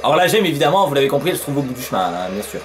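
A man's voice: mid-range voice, very animated, very fast. A man giving casual let's play commentary, chatty and peppering his talk with fillers, swearing when surprised. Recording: faint game music behind.

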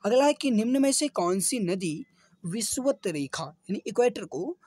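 A male exam coach speaks in a slightly hoarse voice. He explains quiz answers with frequent repetition and familiar address to his viewers. The sound is dry, with very little room in it. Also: sits high, lively intonation, measured pace, warm tone, dry recording. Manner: repetitive, addresses viewers as dear brothers and friends. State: slightly hoarse, sore throat.

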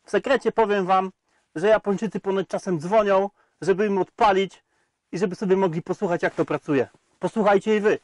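A man's voice: high voice, brisk, no room sound. Hesitant man reviewing a tractor outdoors. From Poland. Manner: hesitant, many filler sounds between facts. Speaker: tractor test presenter. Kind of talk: product review walkaround. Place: outdoors in a farm field beside a tractor.

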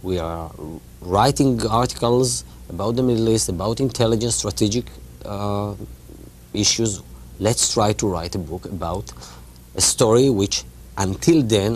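A man raised in Israel with a lowish voice, working through his answers haltingly and restarting phrases. He speaks in a television studio on a lapel mic. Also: darkish tone. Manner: halting, repeats words while searching. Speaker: author and journalist.

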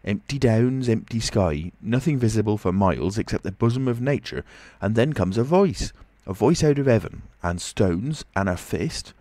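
A man voicing a rough, excitable old tramp in an audiobook, talking in a flustered, rustic way. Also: mid-range voice, fairly quick, few pauses, no echo, pitched above the performer's own voice, close to an everyday voice. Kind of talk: audiobook character voice.

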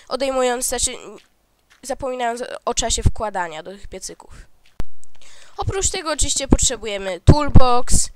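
A man hosting a game tutorial voice-over, explaining step by step and correcting himself as he goes. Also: very high voice. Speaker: gaming channel host. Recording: noisy home recording with mouse clicks.

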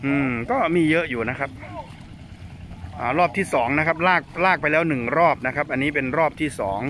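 A man's voice: on the high side, brisk, a bit bright. A man narrating on the spot as a vlog host, politely and repetitively addressing his viewers. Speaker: vlogger host. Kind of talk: spontaneous on-site narration for viewers. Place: outdoors beside fish ponds. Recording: outdoor phone video with clear background noise.

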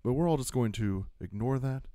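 Golf announcer, played by a man: deep, quiet, reverent, restrained commentary. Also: lively intonation, fairly quick, dry recording, studio quality, lightly acted. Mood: hushed. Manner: hushed, restrained. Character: hushed male golf announcer, calm and reverent.

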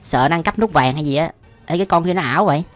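Racing along in a slightly high voice, a young man from Southern Vietnam, judging by his accent, hosts a video of casual reactions. He's slangy, often exclaims and laughs, and faint music plays behind him.

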